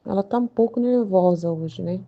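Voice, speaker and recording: With a Brazilian Portuguese accent, this channel host reads religious texts aloud and chats about them, peppering her commentary with filler tags. Her voice is mid-range at a normal speed, and the recording has its highs cut off.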